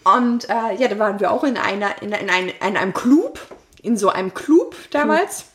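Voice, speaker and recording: A woman's voice: mid-range voice, normal speed. A woman, co-hosting a podcast and telling personal stories in a casual, playful, giggly way. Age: late 20s. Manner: giggly, playful, animated storytelling. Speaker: podcast co-host. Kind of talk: casual chat, personal storytelling.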